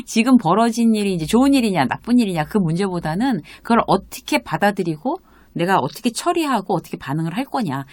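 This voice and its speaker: A middle-aged woman hosting a self-help talk, speaking warmly to her viewers and acting out the remarks she quotes. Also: medium pitch, no room sound. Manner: animated, acts out quoted remarks. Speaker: host.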